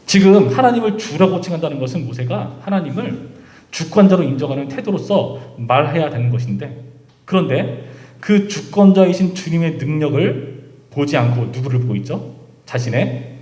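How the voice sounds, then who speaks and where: Korean pastor preaching in a roomy church. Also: male voice, a little high, animated, normal speed, warm tone. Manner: addresses listeners often, acts out voices of God and Moses. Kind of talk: youth service sermon. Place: church sanctuary.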